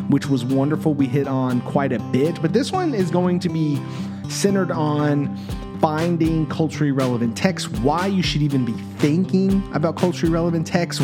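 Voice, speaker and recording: A man co-hosting a podcast in a loose, chatty way, speaking into a microphone in an echoey office room. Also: on the high side. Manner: loose, chatty, self-correcting talk. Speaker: podcast co-host. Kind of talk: casual podcast chat. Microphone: desk microphone.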